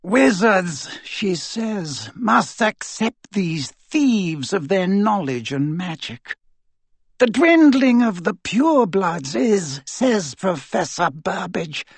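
A man voicing a cold, menacing male dark lord who speaks quietly and deliberately. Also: high voice, gravelly, breathy edge, dry recording, pitched above the performer's own voice, exaggerated voice. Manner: slow, soft, sinister and deliberate.

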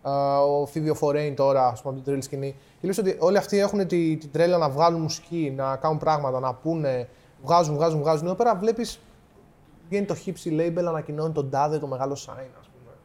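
Young man, slightly raised pitch, teasing and chatty podcast talk. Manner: teasing, reasons out loud, mixes English words. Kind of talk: casual podcast chat.

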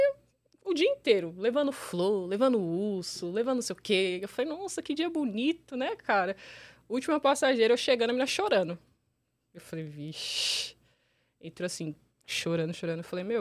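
Fast, animated São woman storyteller. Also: a little high. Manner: animated, slangy, quick storyteller. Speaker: rideshare driver guest. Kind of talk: casual podcast storytelling.

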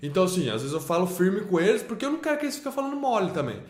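High-voiced emphatic Brazilian man. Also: very animated, rapid-fire, roomy sound. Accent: Brazilian Portuguese. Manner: emphatic, repeats himself with many tag questions. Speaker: homeschooling father. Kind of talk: casual podcast conversation.

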